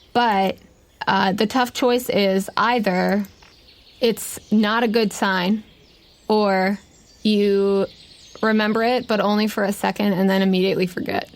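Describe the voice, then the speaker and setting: A woman game master improvising narration for a tabletop roleplaying game in a casual, conversational way. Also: mid-range voice. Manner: casual, conversational, uses "like" often.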